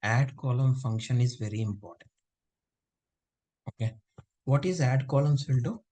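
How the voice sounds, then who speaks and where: A man's voice: mid-range voice, normal speed, dark tone. A man teaching a live online class over a video call, who keeps stopping with fillers to check that his students understand. He says he is not feeling well. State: unwell, voice low. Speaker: instructor.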